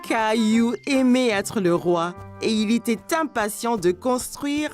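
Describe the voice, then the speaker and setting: A woman playing a gentle storyteller, narrating a scripted cartoon for small children. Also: fairly high pitch, expressive, takes it slowly, faint music behind. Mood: gentle, storytelling.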